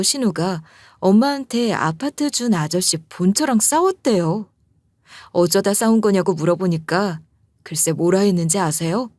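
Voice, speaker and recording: A woman's voice: mid-range voice, darkish tone, dry recording. A woman narrating a first-person story in a chatty, confiding way.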